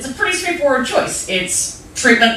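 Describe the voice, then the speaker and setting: Light background noise and audible room echo surround a woman as she talks. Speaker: open mic performer and cancer survivor. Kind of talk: reading aloud a personal essay at an open mic, with dark-humored stand-up touches. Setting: stage with audience. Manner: earnest and heartfelt toward the close. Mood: earnest, wry, a bit indignant. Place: stage. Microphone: pa.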